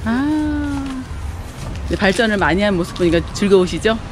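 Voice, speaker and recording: A street interviewer asking polite, quick questions outdoors. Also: medium pitch, expressive. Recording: street noise with passing cars.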